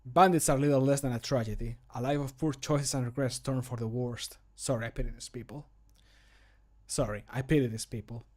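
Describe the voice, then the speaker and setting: A man's voice: medium pitch, fairly even intonation, a little mellow, natural voice. Man acting a solemn, resolute fantasy adventurer. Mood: sombre pity. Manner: measured, solemn, falling phrase endings. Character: grim, resolute male fantasy adventurer who fights bandits. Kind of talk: scripted video game voice line. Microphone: close studio microphone.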